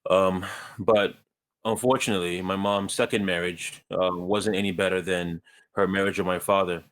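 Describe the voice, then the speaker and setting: A man from Ghana, a guest in a conversation, telling his life story in a measured, earnest way with light self-deprecating humor. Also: low voice, steady tone, a bit bright.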